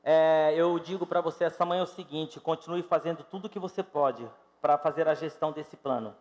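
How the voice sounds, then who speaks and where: A fifty-something Brazilian pastor preaches with a slightly high-pitched voice, calling out to the congregation and then dropping to near-murmurs. His voice rings with the long reverb of a church hall. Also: steady tone, fairly quick. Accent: Brazilian Portuguese. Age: 50s. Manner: emphatic, rises and drops sharply in loudness, addresses congregation directly. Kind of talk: sermon. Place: church sanctuary.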